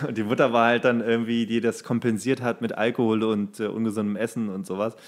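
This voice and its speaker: A man hosting a podcast, chatting casually about films in a rambling, halting way, searching for words. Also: on the low side, level tone. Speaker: podcast host. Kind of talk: casual film chat.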